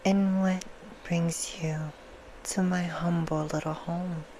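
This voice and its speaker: A woman voicing a seductive, courtly vampire hostess for ASMR, soothing and sinister, in a slow, hushed half-whisper. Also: on the low side, level tone. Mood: intrigued, sly. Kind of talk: ASMR roleplay, bedtime storytelling. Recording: clear background noise.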